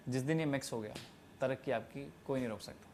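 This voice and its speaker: Fast-talking young man, emphatic. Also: medium pitch, a little mellow, slight background noise. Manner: emphatic, preachy, mixes English phrases. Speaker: guest, tea stall entrepreneur. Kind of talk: animated interview answers.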